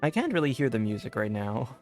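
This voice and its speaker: A man's voice: medium pitch, sing-song, fairly quick. A man giving casual gameplay commentary as a streamer on a close mic. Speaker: game streamer. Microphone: close mic, dry. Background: faint game music.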